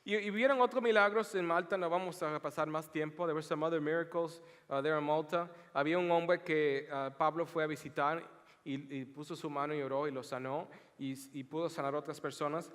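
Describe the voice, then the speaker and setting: Animated high-voiced preacher in a reverberant hall. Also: male voice, fairly quick. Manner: animated, joking, storytelling. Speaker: pastor. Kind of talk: bilingual sermon with scripture reading. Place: church sanctuary. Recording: long reverb of a large hall.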